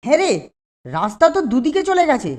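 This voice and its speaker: A woman's voice: high-pitched, big pitch swings, brisk, a little mellow. A woman voicing a grumbling, reluctant boy in a children's cartoon, complaining and exclaiming. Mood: doubtful.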